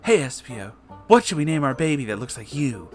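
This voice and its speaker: A man's voice: mid-range voice, very animated, fairly quick, faint music behind, natural voice. A man voicing an earnest, simple-minded female cartoon bat mother in a plain way.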